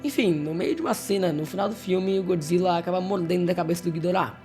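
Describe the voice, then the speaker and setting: A man's voice: high voice, quick pace, mellow, soft background music. A man with a Brazilian accent narrates a story recap as a video host, in a casual scripted style with informal, wry asides. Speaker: YouTube host narrating horror series recaps.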